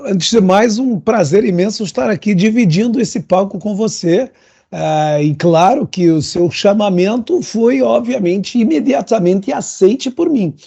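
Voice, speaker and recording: A man from northern Portugal with a European Portuguese accent that leans Brazilian, chatting as a guest with lively asides and many fillers. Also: high voice, measured pace, vocal fry, breathy edge. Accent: European Portuguese, adapted toward Brazilian. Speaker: guest, LinkedIn consultant. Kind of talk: casual interview chat.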